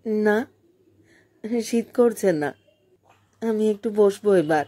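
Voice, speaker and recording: A woman voicing a feverish seventeen-year-old girl who speaks in a weary, soft voice. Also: mid-range voice, pitched above the performer's own voice. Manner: tired, soft, drawn-out sing-song. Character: feverish teenage girl, weary yet playful.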